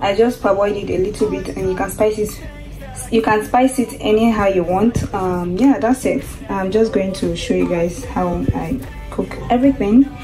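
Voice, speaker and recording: Clear music plays in the background as a woman speaks with ordinary pitch variation. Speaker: vlogger. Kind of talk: casual vlog cooking tutorial. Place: kitchen. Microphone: phone near.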